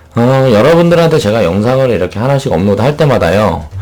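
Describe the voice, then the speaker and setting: Through noticeable background noise, a voice moves at a fairly quick pace with very wide pitch swings. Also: man. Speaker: stock investing YouTuber. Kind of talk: unscripted monologue. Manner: improvised, off the cuff.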